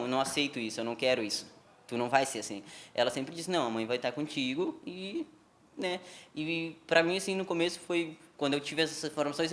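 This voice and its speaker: A young man telling a personal story in a TV interview, informal, with frequent tag questions. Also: fairly high pitch. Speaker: interview guest. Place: television studio.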